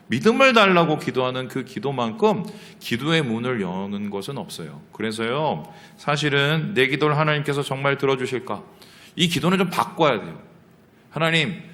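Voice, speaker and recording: A man preaching a sermon as pastor of his church, asking the congregation questions and acting out the lines of people in the story. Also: medium pitch. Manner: lively, asks the congregation questions and acts out quotes. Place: church sanctuary. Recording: hall reverb from the church. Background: congregation reading aloud together.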